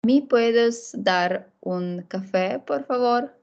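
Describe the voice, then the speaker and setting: A woman's voice: a little high, slow pace, creaky, darkish tone, highs cut off. A woman with a Russian accent, a native Russian speaker, hesitantly repeating phrases as a student in a casual language lesson.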